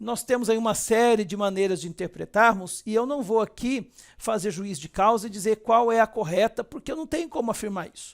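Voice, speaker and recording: The pace is fairly quick, with hardly any pauses. The recording is very clean, with a silent background. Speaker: seminary teacher. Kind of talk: lecture.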